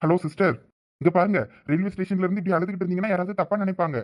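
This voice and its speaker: A man with a Thoothukudi Tamil accent acting in a village comedy sketch, with fast, pleading, joking banter. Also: high voice, steady tone. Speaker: comedy skit actor.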